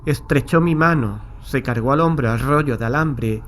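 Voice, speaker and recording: A man's voice: mid-range voice, normal speed, fairly bright tone, close to an everyday voice. A haunted man from played by an actor tells his horror tale in a mid-range voice. His delivery is grave, literary and anxious, over a faintly noisy night backdrop. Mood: grave recollection. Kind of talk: first-person horror audiobook narration. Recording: faint night ambience behind the voice.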